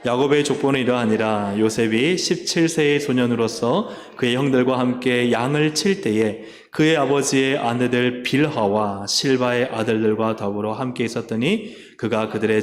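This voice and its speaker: A man's voice: medium pitch, normal speed, few pauses. A male pastor preaching a sermon and putting questions to the congregation. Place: church sanctuary. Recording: long reverb of a church hall.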